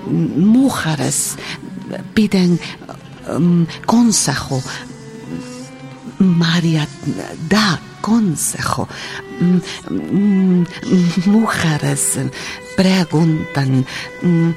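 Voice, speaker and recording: Slow, weary migrant's wife. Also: female voice, on the low side, vocal fry, a little mellow, full character voice. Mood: animated recounting. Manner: halting, fragmented, telegraphic phrases with hesitant murmurs. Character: weary, lonely Mennonite wife speaking halting broken Spanish. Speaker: actress in a radio play. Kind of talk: dramatic radio theatre monologue.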